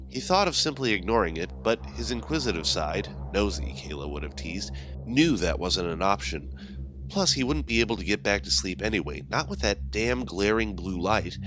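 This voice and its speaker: A man hosting and narrating horror stories in a scripted, measured, theatrical manner, with deliberate phrasing. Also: on the low side. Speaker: horror anthology host and narrator.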